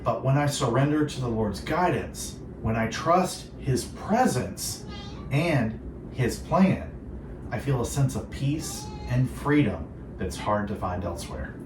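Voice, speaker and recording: A man's voice: mid-range voice, animated, slow. Distant, echoey man hosting Christian radio. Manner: earnest, reflective, polished phrasing. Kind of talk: devotional radio talk with co-host. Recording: roomy echo, distant, clearly noisy.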